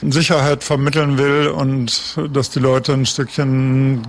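A man's voice: mid-range voice, little pitch movement, takes it slowly, slight background noise. A man from a local association explaining its work fluently and matter-of-factly. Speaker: association staff member. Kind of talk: explanatory interview.

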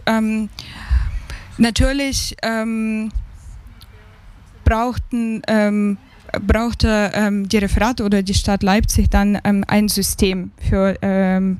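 Slow, hesitant woman from Ukraine. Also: medium pitch, darkish tone. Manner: hesitant, many fillers and restarts. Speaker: interview guest, migrant council member. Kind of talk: casual interview answers.

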